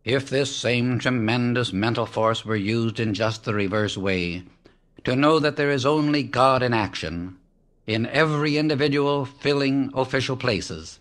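A man reading a spiritual book aloud as an audiobook narrator, in a measured, emphatic way that slows down on key words. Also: medium pitch, a bit bright. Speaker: audiobook reader. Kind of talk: solemn scripted reading of spiritual teachings.

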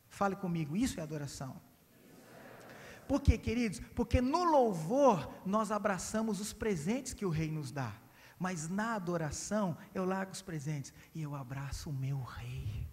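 High-voiced Brazilian pastor, echoing church. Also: male voice, moderate pace. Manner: animated, swinging between loud and hushed. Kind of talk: storytelling sermon. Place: church sanctuary. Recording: reverberant church hall.

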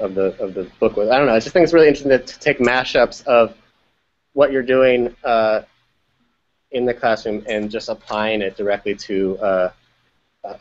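A man's voice: lowish voice, darkish tone. A man who produces education media, talking casually on a video call and often restarting his phrases. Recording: dull lo-fi video call audio.

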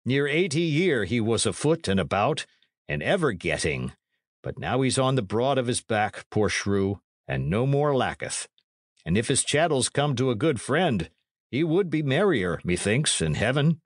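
Man doing rough-mannered man-at-arms, cheerful, plain archaic talk, animated intonation, dry close sound. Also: medium pitch, a little slow, no room sound, pitched above the performer's own voice. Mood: covetous, musing. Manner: plain-spoken archaic speech. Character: blunt, unshockable medieval soldier, cheerfully grasping.

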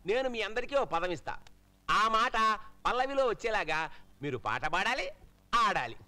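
An actor playing a vain, boastful minister who loves pomp and bosses people around, in a film comedy. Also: male voice, sits high, big pitch swings, moderate pace, pushed and bright, exaggerated voice. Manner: boastful, bossy, mocking. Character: vain showy male minister, loud and boastful.

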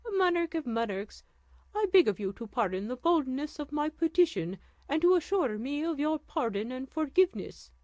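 A woman's voice: high-pitched, big pitch swings, moderate pace, a little mellow, no echo, highs cut off, voice pushed up. A woman voicing a humble, anxious old mother who pleads urgently. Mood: pleading.

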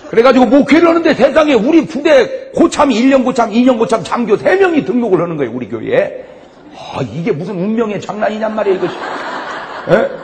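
A man preaching a humorous revival sermon as a pastor, telling animated stories with frequent laughter. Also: high-pitched. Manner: animated storytelling with frequent laughs and shouted punchlines. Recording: long hall reverb, faint background noise.

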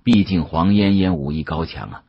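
A man narrates an audiobook in a very low, heavily husky voice. His intonation is lively and expressive. The sound is a little dull. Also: normal speed. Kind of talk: expressive scripted first-person narration.

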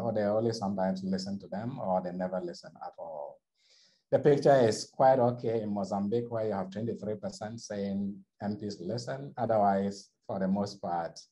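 A man's voice: fairly low pitch, mellow, rough recording. A man presenting survey findings over slides in a webinar, explaining steadily with frequent restarts.

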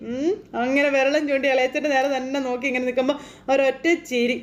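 A woman from Kerala, India, recaps a TV serial episode in an animated, chatty way. Her voice sits high, and she talks very fast, tossing in casual asides as she goes. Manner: animated, chatty, tag questions. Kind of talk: casual plot retelling.

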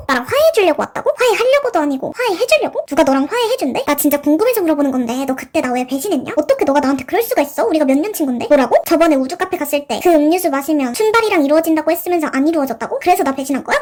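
A woman doing paper-doll role-play, playing a shop owner who indignantly echoes an unheard friend's words back as questions, and chatting through each step of making the treats. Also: high voice.

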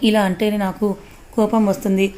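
A woman voicing a suspected young woman who answers back nervously and indignantly, in a mellow, even voice. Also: mid-range voice, normal speed, a little hiss or hum, lightly acted. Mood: defensive. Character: defensive young woman under suspicion.

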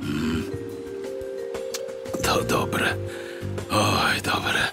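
A man's voice: very deep voice, very slow, gravelly, over loud music, pitched below the performer's own voice, exaggerated voice. A man voicing a weary, irritable male detective on holiday in a storybook, with a grumbling manner. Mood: relaxed. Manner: grumbling, exasperated.

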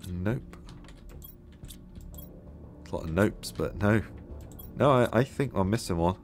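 Man, deep voice, a bit hoarse, thinking aloud while gaming, light music underneath. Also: unhurried. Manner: relaxed, musing aloud, many fillers. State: hoarse, losing his voice. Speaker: gameplay video host. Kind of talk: casual gameplay commentary.

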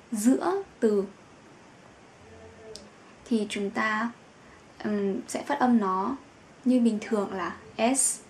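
Slow, patient woman teaching. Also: on the high side, slight background noise. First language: Vietnamese. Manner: drawn-out fillers, repeats each example word twice. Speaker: German pronunciation teacher. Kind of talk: slow, patient lesson with repeated examples.

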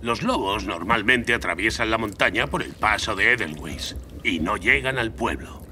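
A man voicing a gruff, protective old grandfather in a Castilian Spanish cartoon dub. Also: on the low side, expressive, moderate pace, bright, forceful tone, a little hiss or hum. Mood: calm, thoughtful. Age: older. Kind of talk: animated series dubbing.

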